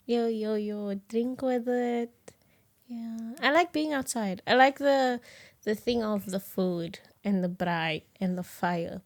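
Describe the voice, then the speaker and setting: A young South African woman co-hosting a podcast in casual chat, animated, laughing often and sometimes dropping to a whisper. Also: medium pitch. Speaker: podcast co-host.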